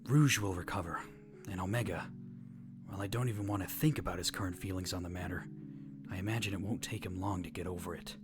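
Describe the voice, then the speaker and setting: Brooding hedgehog hero played by a man: extremely deep, stiffly formal and guarded cartoon drama voice, over music. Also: fast, close to an everyday voice. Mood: uneasy, resigned. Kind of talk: animated fan audio drama acting. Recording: music under the voice. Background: background music.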